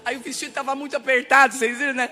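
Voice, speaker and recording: A middle-aged woman pastor preaches through a personal story in a high, very fast voice. She is very animated and emotional, laughing and crying as she speaks straight to the audience.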